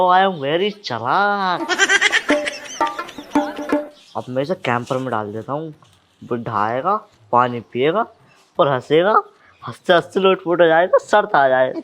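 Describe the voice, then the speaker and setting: A man's voice: a little high, fairly bright tone, exaggerated voice. A young man playing a scheming village prankster in a comedy sketch, muttering smugly to himself. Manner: sly, muttering to himself, smug.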